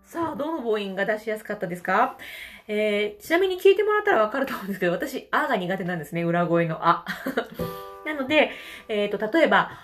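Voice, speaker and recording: Woman with a Kansai accent, vocal coach, chatty and laughing, lively, soft guitar behind. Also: quick pace. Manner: chatty, laughs often, demonstrates falsetto vowels. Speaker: vocal trainer and livestream host. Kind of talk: casual livestream voice lesson.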